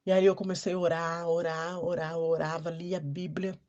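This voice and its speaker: A Brazilian woman telling an emotional personal testimony in an earnest, halting way with frequent restarts. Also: fairly low pitch, little pitch movement, darkish tone, lo-fi sound. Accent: Brazilian Portuguese. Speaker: testimony speaker.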